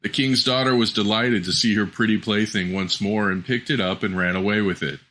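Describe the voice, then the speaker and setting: A man with a fairly low, bright and forward voice tells a fairy tale. His scripted storytelling is measured and expressive, with a little hiss or hum in the recording.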